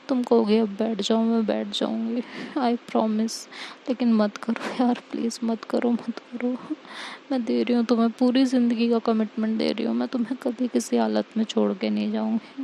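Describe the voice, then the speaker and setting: A woman's voice: on the high side, gravelly, warm tone, a little hiss or hum. A woman voicing a young woman who begs her lover again and again, repeating her pleas. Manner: begging, repeating pleas over and over.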